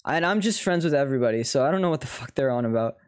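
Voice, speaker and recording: A man's voice: medium pitch, animated, very fast, clean tone. A young man streaming a game, chatting casually with a friend in a loose, joking, profane way. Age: teens. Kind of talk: casual gaming chat.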